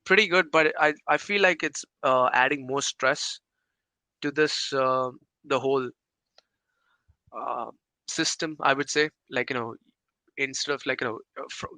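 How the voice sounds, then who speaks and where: A man's voice: mid-range voice, unhurried, bright, forceful tone, no echo, rough recording. A young man from India with an Indian English accent, chatting casually on a podcast, hesitant with many fillers and restarts. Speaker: podcast co-host.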